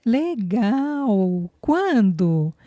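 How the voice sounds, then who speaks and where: A woman voicing a small, lively little girl who talks in a childlike, eager, earnest way. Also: medium pitch, extremely slow, no room sound, studio quality, pitched above the performer's own voice.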